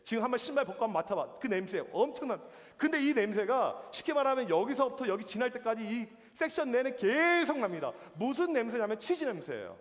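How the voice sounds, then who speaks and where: A male youth pastor preaches in a high, very lively voice, telling stories and acting out the reactions in them. His voice rings with a long reverb from the church hall. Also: fairly quick, hardly any pauses. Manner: animated storytelling with acted-out reactions. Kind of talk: sermon.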